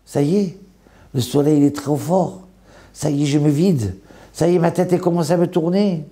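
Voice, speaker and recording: A man's voice: a little high, moderate pace, dark tone. A man, a rabbi, telling a dramatic story in a sermon and acting out the people in it. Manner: dramatic storyteller, voicing characters.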